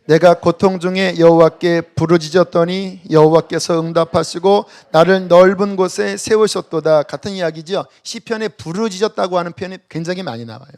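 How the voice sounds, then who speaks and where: A man pastor preaching a sermon at a church worship service, swinging from loud exhortation to hushed near-whispers and leading the congregation in reading scripture aloud. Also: high voice, moderate pace, few pauses.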